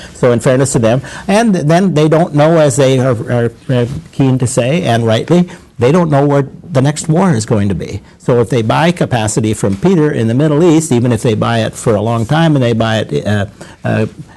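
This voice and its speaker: With an American accent and a plain, everyday voice, a man talks at a medium pitch and moderate pace, his intonation lively. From United States. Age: 60s. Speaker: retired navy admiral, satellite industry advisor. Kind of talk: radio panel discussion.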